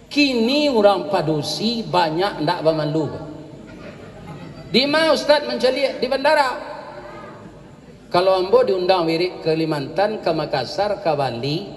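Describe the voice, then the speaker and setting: Male Minangkabau preacher, higher-pitched, lively storyteller working the crowd, long hall reverb. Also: unhurried, pauses often. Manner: lively, addresses the crowd with tag questions. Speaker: Islamic preacher. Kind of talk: sermon with storytelling and jokes. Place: large hall with a congregation.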